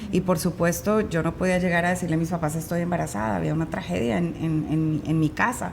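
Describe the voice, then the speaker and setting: Speaking at a fairly quick pace, this woman talks. Her pitch is fairly low. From Colombia, Manizales. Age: 50s. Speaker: pastor. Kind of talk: testimony.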